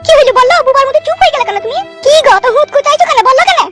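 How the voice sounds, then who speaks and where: A woman voicing a fussy young wife in a cartoon, shrill and nagging with endless questions. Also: very fast, faint music behind. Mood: impatient. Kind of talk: cartoon voice acting.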